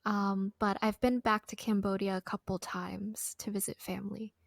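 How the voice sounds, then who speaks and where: A young woman from the United States, a podcast co-host telling a folk ghost story in a relaxed, chatty way. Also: mid-range voice, moderate pace, gravelly, no echo. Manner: relaxed, chatty with light laughs. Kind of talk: casual storytelling.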